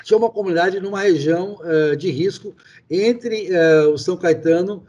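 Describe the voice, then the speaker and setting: Man, fairly high voice, mellow tone, interview host. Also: normal speed, highs cut off. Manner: storytelling, many fillers and restarts. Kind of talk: conversational interview.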